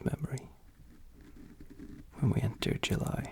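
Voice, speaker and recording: Against noticeable background noise, a man is whispering at a moderate pace. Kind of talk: ASMR close-mic talking. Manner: soft-spoken, close-mic whisper.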